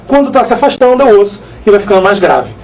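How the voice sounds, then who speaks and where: A man teaching a live exam-prep physics lesson, energetic, joking and repeating himself. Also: high voice, fast, creaky, low-quality recording.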